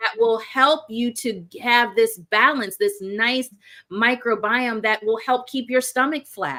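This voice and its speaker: A woman with an American accent speaks very slowly, her pitch fairly high. Her tone is bright and sharp, with ordinary pitch variation. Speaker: doctor. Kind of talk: interview.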